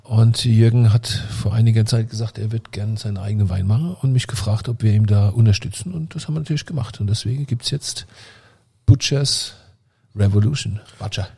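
Belgian guy, kinda husky voice, jokey wine bar host. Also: on the low side, brisk, warm tone. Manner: jovial, laughing, joking. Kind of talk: casual chat.

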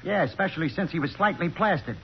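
Club henchman: wisecracking, scoffing, slangy, slightly high, muffled 1940s radio. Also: animated, quick pace, creaky. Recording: muffled old radio recording with hiss.

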